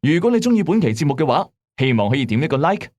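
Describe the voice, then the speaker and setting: A man with a Hong Kong Cantonese accent hosting a late-night strange-tales show, narrating scripted mysteries in a measured, dramatic storyteller's way. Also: a little high, big pitch swings, a little mellow. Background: background music.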